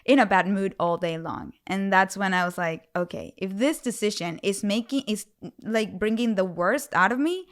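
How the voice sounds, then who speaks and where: Smooth-voiced woman in her thirties. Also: mid-range voice, normal speed. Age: 30s. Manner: animated, acts out quoted voices. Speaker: guest speaker. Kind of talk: casual interview talk.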